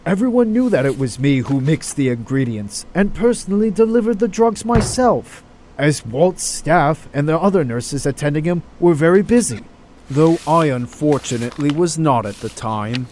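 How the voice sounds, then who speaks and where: Male actor as troubled doctor, fairly high voice, hesitant, earnest, audio drama, faint background noise. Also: animated, moderate pace, a little mellow, lightly acted. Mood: indignant, protesting. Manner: hesitant, stammering, protesting. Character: distraught, indignant male doctor, wrongly accused.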